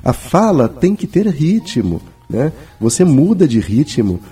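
Dark, raspy man explaining things. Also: fairly high pitch, sing-song, a little slow, distant mic, faint music behind. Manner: conversational, explanatory, frequent tag questions. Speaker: guest commentator. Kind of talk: radio discussion.

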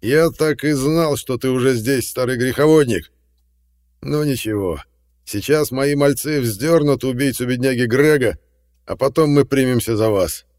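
Man doing a loud, vengeful clan patriarch. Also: mid-range voice, moderate pace, in a large hall, pitched above the performer's own voice, close to an everyday voice. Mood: jeering. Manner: loud, jeering shouting. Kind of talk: audiobook reading.

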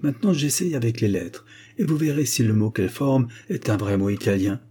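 A man voicing a bold, quick-witted young gypsy woman in an audiobook, speaking firmly and sharply. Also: mid-range voice, expressive, husky. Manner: firm, sharp-tongued.

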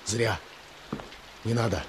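A man's voice: on the low side, steady tone, takes it slowly, a little hiss or hum. An actor in a radio play voicing a man's brother, short-spoken and plain under siege. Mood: tense. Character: steady, laconic young brother under siege. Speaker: the hero's brother.

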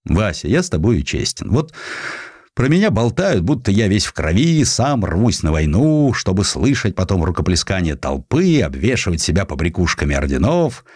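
A man's voice: low voice, very animated, moderate pace, a little mellow, slightly rough, no echo, clean studio sound, exaggerated voice. A man playing a blunt, passionate and headstrong Russian general in a dramatized audiobook. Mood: earnest. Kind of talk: audiobook character acting.

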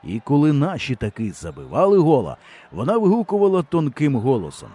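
Lively male audiobook narrator. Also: mid-range voice, brisk, husky. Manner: lively storytelling. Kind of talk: scripted narration.

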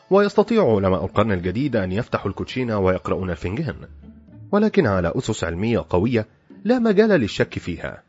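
A man with an Egyptian accent narrating a satirical story with wry, animated comic delivery. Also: fairly low pitch, breathy edge. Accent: Egyptian Arabic. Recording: dull lo-fi with faint music.

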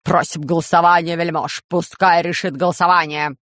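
A man doing a shrill, vengeful noble. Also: level tone, normal speed, no room sound, studio quality, close to an everyday voice. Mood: demanding. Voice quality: shrill and shouting. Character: tall skinny shrill male noble, vengeful. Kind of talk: audiobook character voice.

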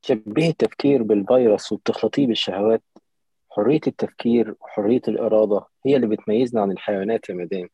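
A man's voice: fairly low pitch, racing, dark tone, husky, no echo, highs cut off. A man with an Egyptian Arabic accent, acting a young man who argues for free thought. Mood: challenging. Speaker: actor rehearsing a play.

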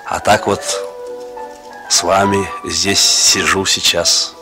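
A young actor playing a rough, laconic young man with a hard past who talks in a colloquial, gently teasing way, in 1960s radio drama style. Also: low voice, level tone, slow pace, music in the background. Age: young adult.

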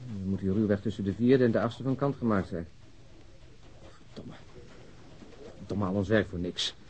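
A man playing a gruff, skeptical police detective in a radio drama, brusque and sardonic. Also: lowish voice, moderate pace, darkish tone, slight background noise, close to an everyday voice. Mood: frustrated. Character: gruff, skeptical male police detective, grudgingly following along. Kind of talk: Dutch radio drama acting. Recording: dull, lo-fi radio drama recording.

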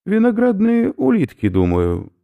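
A fussy, pompous old professor with a high, lilting voice that lectures his companions in a genteel tone. He swoops up and down with a creaky edge, recorded close and dry. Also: huge pitch swings, a little slow, phone-quality sound, heavily acted. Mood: lecturing. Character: fussy elderly male professor, pedantic.

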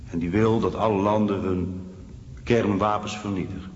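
An actor playing a formal male interrogator who puts measured, probing questions in a radio drama. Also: on the low side, fairly even intonation, a little mellow, lightly acted. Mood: probing, controlled. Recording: echoey hall, long reverb, muffled, noisy.

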